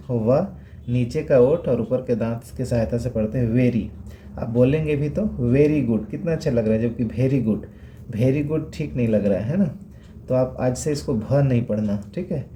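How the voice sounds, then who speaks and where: A man's voice: mid-range voice, warm tone, a little hiss or hum. A man teaching English reading, patiently repeating sounds and checking in with rhetorical questions. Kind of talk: phonics lesson explained in Hindi.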